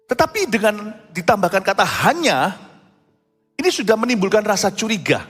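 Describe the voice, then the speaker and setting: Animated preacher man in a reverberant hall. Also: sits high, normal speed, husky. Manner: animated preaching, acts out God's voice in quotes, mixes in English phrases. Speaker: pastor. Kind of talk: sermon. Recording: music under voice, long church reverb.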